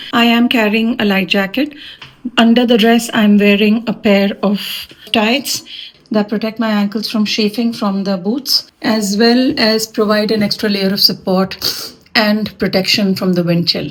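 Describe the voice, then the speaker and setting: Noticeable background noise sits behind a woman speaking at a moderate pace. Her intonation is fairly even. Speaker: artist vlogger. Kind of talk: travel vlog. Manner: whispering.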